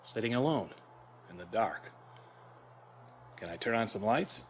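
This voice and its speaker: An actor playing a brash, wry general with an informal, wisecracking manner in a science fiction audio drama. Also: male voice, fairly low pitch, expressive, measured pace, husky, heavily acted. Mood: soft, uneasy. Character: brash, wry male military general and devoted husband. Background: orchestral score.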